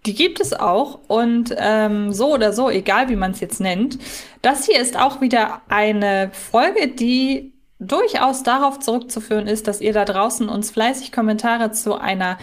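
Woman podcaster chatting casually, voice a bit on the high side. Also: measured pace. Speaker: podcast co-host. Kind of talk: casual fan podcast chat.

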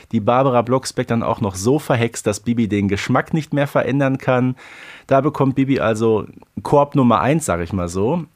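A man in his thirties co-hosting a podcast in casual chat, measured and wry. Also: mid-range voice. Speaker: podcast co-host.

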